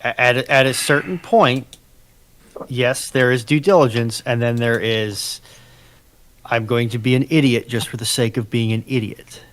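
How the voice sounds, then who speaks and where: A man's voice: medium pitch, normal speed, a bit bright. A man in casual livestream chat as a co-host, wry and opinionated.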